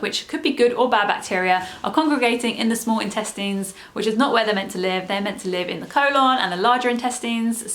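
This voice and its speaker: Casual vlogger: woman, croaky throat, chatty, explains things plainly. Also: medium pitch, fairly bright tone. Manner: chatty and explanatory, with many fillers. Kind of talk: casual talk to camera.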